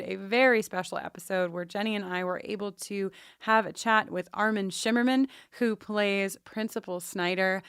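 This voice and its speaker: A woman's voice: medium pitch, a bit bright, clear, resonant tone, no echo, studio quality. A woman co-hosting a podcast in casual chat and announcements, effusive and given to playfully repeating phrases. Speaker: podcast co-host.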